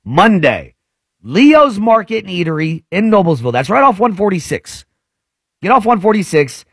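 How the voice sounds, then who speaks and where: A man's voice: high voice, very animated, normal speed, slightly rough, no room sound, studio quality. A man in his forties co-hosting a casual radio show, joking and plugging events. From United States. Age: 40s. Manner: playful, joking. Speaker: co-host. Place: radio studio.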